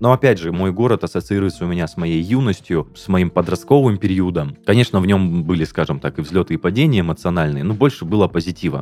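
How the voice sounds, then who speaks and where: Very deep and low, a man's voice with a dark, mellow tone races at a very fast pace, showing ordinary pitch variation and big swings in loudness. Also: hardly any pauses. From southern Russia, Kuban (Ust-Labinsk). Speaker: podcast guest. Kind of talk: casual chat.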